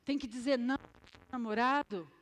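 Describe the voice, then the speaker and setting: A Brazilian woman preaching a lively youth sermon in a church hall, acting out scenes and quizzing the crowd. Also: on the high side, normal speed. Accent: Brazilian Portuguese.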